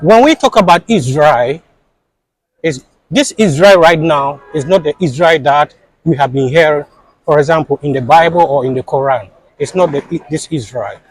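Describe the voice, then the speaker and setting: A man's voice: a little high, normal speed, dry recording, low-quality recording. A man being interviewed, speaking in an impassioned, insistent way and repeating his points for emphasis.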